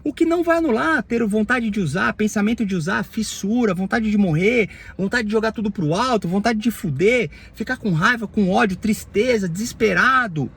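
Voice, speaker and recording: Here a Brazilian-accented therapist speaks reflectively about himself, breaking his monologue into halting bursts and often tacking on tag questions. His expressive voice sits high, a bit bright, with a breathy edge.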